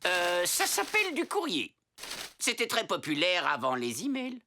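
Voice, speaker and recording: A woman's voice: lowish voice, huge pitch swings, moderate pace, heavy background noise. A woman voicing a vain, boastful male poodle mascot in a French cartoon. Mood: smug. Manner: boastful, smug. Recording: cartoon audio with music behind.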